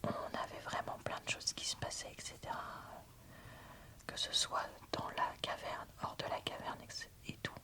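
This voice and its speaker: A woman whispering an ASMR book review in a soft, breathy, informal and slightly hesitant way. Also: moderate pace.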